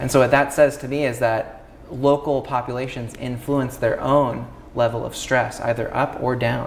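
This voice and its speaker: A man at a moderate pace, flat and monotone, over light background noise. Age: 30s. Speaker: neuroscience technology researcher; interview guest. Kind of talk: interview. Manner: hesitant with fillers. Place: studio. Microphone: lapel.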